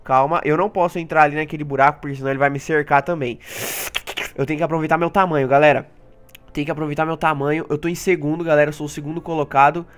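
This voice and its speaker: Excitable high-voiced Brazilian gamer. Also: male voice, racing, smooth. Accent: Brazilian Portuguese. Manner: excitable, talks to the audience, jumps into high yelps and laughter. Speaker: gaming YouTuber. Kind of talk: live gameplay commentary.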